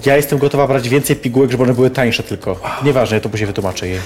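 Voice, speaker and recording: A man's voice: mid-range voice, rapid-fire, darkish tone, faint music behind. A man hosting a talk show in a casual, chatty, playful and teasing way.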